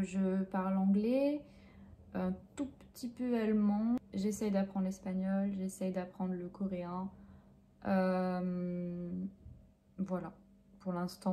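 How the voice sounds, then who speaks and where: A young woman from France who works as a French teacher talks through interview questions. Her voice is very dark and mellow, sitting at an ordinary pitch for a woman. She pauses a lot, fills gaps with hesitations and often restarts her sentences. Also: slight background noise. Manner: hesitant, many fillers and self-corrections.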